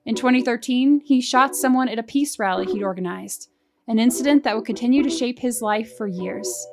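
A woman filling in as podcast host, reading a scripted introduction in a crisp announcer style. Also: a little high, fairly quick. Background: music.

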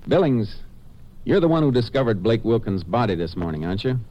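An actor playing a calm, terse Texas Ranger asking methodical questions in a 1950s western radio drama. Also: male voice, fairly low pitch, brisk, dull audio. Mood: businesslike. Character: steady, probing Texas Ranger investigator, adult man. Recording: noisy old-time radio recording.

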